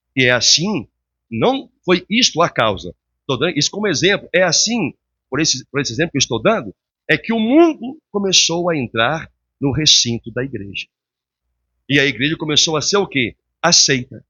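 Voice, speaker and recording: A man's fairly high voice, very wide pitch swings, a moderate pace, and long, frequent pauses. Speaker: pastor. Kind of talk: sermon.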